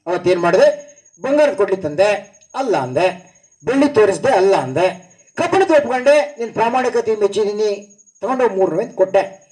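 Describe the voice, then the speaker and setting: A man's voice: sits high, normal speed, long pauses, recorded from a distance, rough recording. A man giving a devotional discourse to an audience, moving into folk tales and acting out their voices. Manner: animated, storytelling with acted voices. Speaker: speaker at a discourse series. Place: hall at a public function.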